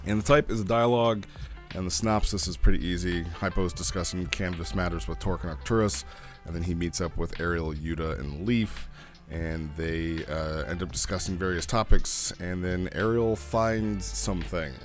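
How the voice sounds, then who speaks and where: Low-voiced man, casual review host. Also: fairly even intonation, moderate pace, soft background music. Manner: conversational, opinionated. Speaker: host reviewing roleplay logs. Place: home recording studio.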